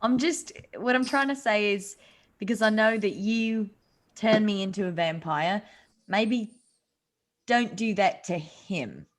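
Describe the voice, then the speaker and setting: A woman's voice: medium pitch, takes it slowly, close to an everyday voice. A woman playing an earnest, pleading, newly turned vampire in a comedy table read. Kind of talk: video-call table read of a comedy film script. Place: remote video-call reading.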